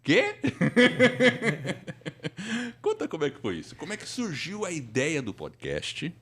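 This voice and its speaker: A Brazilian man hosting a casual interview podcast, talking in an animated, conversational way. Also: a little high, slow pace, husky. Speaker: podcast host interviewing a guest.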